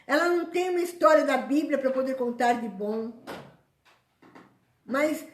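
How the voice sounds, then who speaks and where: A woman preaching a sermon in an animated way, acting out the complaints of other people. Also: sits high, a little slow, a little hiss or hum. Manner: animated, acts out complaining voices. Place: church hall. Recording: echoey church room.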